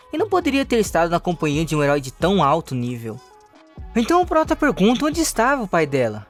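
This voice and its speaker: Man, high voice, very animated intonation, story recap narration. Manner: lively storytelling with rising and falling pitch. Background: faint background music.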